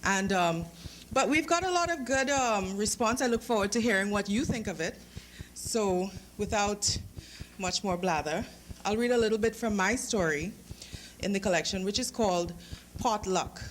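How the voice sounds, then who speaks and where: A woman with a Trinidadian accent speaks as an author at a live literary reading. Her phrasing is careful, with a playful, teasing touch, and her voice sits at a medium pitch. There is some noise behind her in the live recording. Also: lively intonation, moderate pace, poor audio. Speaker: author reading from own short story. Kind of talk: literary reading with informal introduction to a live audience. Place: live lecture event before an audience. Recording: live talk with clear background noise.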